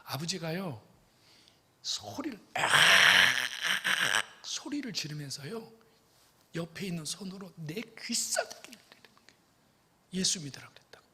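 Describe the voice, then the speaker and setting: A middle-aged male pastor telling a story in a sermon, dropping to hushed whispers and then bursting out loud, repeatedly speaking straight to the congregation. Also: high-pitched, sing-song, moderate pace, long pauses, a little hiss or hum. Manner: dramatic, swings between hushed whispers and sudden loud bursts; addresses congregation directly, repeats phrases. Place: church sanctuary. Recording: long church reverb.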